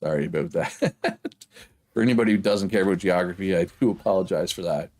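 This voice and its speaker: Deep-voiced and brisk, with a darkish tone, this Canadian man from Prince Edward Island rambles casually to viewers during a game livestream. He keeps checking in with "right?".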